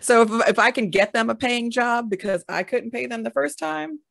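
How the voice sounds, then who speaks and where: A woman's voice: fairly high pitch, normal speed, vocal fry, a bit bright, slight background noise. A woman who creates audio dramas, talking frankly in a casual panel, laughing often and swearing now and then.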